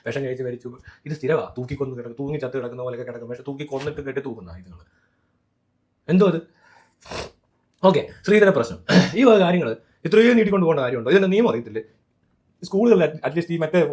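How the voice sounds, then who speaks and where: A man's voice: high voice, darkish tone. A man giving blunt, heated social commentary, swearing freely.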